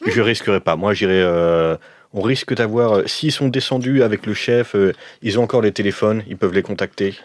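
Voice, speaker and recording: Very deep-voiced man, casual player. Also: a little fast, no room sound. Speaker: player in a tabletop game. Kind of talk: casual table talk.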